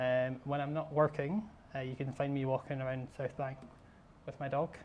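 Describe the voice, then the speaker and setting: A man speaks in a Scottish accent. His pace is fairly quick and his intonation fairly even. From Scotland. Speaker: software developer, conference presenter. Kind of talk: conference talk. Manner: casual, with fillers.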